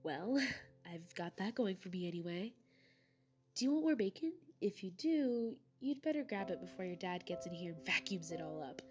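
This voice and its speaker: A woman's voice: lowish voice, animated, moderate pace, a little mellow, soft background music, natural voice. A woman playing an affectionate, teasing, encouraging mother in an amateur audio drama. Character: affectionate, playful mother of a sixth grader.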